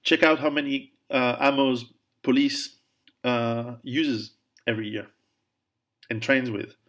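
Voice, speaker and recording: A man speaks in a casual question-and-answer monologue at a middle pitch. He stumbles and restarts often, fills pauses with "um", and chuckles at his own jokes. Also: fairly even intonation, fairly bright tone. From Italy, raised in Switzerland. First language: Italian. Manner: hesitant, many restarts and fillers, laughs at own jokes. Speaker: author answering viewer questions.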